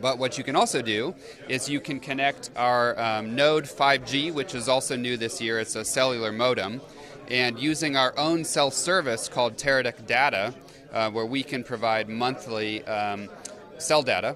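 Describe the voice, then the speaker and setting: Light background noise sits under a dry recording with no echo. A man talks at a moderate pace with ordinary pitch variation. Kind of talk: interview answer. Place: hall. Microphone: handheld.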